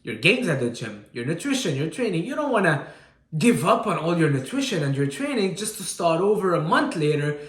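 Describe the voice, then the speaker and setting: Male fitness coach from Syria, upbeat and chatty, slightly high voice, echoey room. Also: fairly quick. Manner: energetic, repeats "all right?" often. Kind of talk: casual fitness advice to camera.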